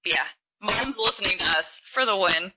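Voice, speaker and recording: A woman co-hosting a podcast, chatting casually and rambling in quick bursts. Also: mid-range voice, animated, very noisy. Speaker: podcast co-host. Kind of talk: casual chat.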